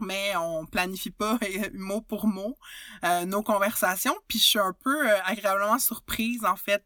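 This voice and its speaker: Quebec French woman, podcast co-host, bright tense tone, dry close sound, halting reflective delivery. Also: mid-range voice, no room sound. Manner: thoughtful, hesitant, many restarts. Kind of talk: reflective casual chat.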